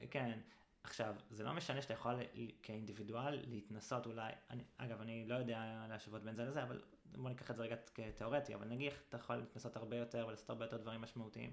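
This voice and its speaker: Talking at a very fast pace, a man with a medium-pitched voice is heard amid audible room echo. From Israel, Rishon LeZion. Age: 30s. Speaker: business executive. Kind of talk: interview.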